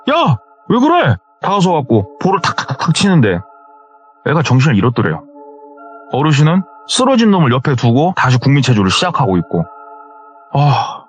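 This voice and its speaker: Animated man telling a horror tale. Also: medium pitch. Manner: animated retelling, acting out quoted people in raised voices. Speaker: horror story narrator. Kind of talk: retelling a true horror story. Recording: dull lo-fi sound with faint music.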